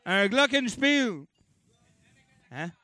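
A man's voice: high-pitched, drawn-out words, dry recording, soft background music. A young Québécois man hosting a comedy-night auction, bellowing bids and cracking jokes between them. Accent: Québécois French. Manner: bouncy and animated, bellowing bids, jokey asides. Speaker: auctioneer and comedy show host.

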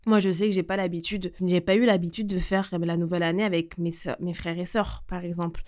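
A woman's voice: lowish voice, flat delivery, brisk, a little mellow. A woman in her late twenties hosting a casual solo podcast, talking hesitantly with many fillers and restarts and dropping in English words. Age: late 20s. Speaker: podcast host.

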